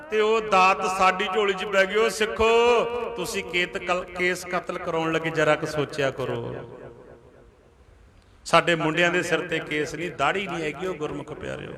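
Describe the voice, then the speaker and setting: A man delivers an impassioned religious sermon, telling stories in rhythmic, repeated refrains. His voice sits high for a man. A large crowd can be heard around him at the gathering. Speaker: Sikh preacher.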